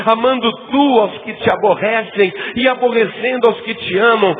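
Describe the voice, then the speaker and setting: A preacher doing a stern indignant general. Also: male voice, high-pitched, voice pushed up. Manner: indignant, rising reproach. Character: stern army general rebuking a king. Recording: tinny echoey hall recording.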